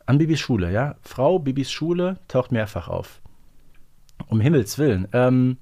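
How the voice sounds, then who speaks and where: A man chats casually as co-host of a guessing game. His mid-pitched voice moves up and down a lot. He gives brief answers and often thinks out loud. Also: animated, moderate pace. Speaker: co-host of a fan quiz show.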